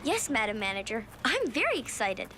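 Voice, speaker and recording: A young female assistant in a kids' radio play, eager but unsure. Her voice is very high and lively, polite and earnest, over clear worksite noise. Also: fairly quick, heavily acted. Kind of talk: children's radio drama acting. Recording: noisy demolition site sound effects. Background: machinery and demolition sound effects.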